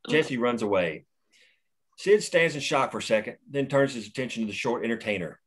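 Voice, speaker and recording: A man's voice: medium pitch, animated, fairly quick, slightly rough. A man plainly reading the action lines and stage directions at a screenplay table read.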